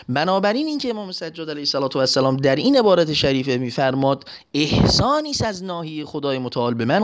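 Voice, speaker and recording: A male preacher giving a sermon, animated and storytelling, slipping into voices for his anecdotes. His voice sits fairly high and moves a lot in pitch.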